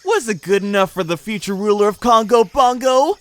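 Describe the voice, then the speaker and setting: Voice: mid-range voice, lively intonation, brisk, a bit bright, faint music behind, natural voice. A performer voicing a young male ape heir in an audio drama, eager, whiny and petulant, pleading to be taken seriously. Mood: earnest, proud.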